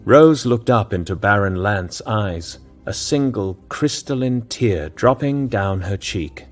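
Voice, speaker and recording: A man narrating an audio drama in a measured storytelling manner. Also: on the low side, animated, soft background music.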